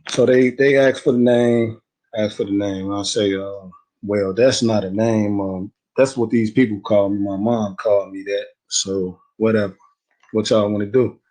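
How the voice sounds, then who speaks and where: A man in an interview, retelling a court visit in a rambling, animated way, quoting what people said. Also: on the low side, moderate pace, rough recording. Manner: rambling, animated retelling with slang and quoted dialogue. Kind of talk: casual storytelling.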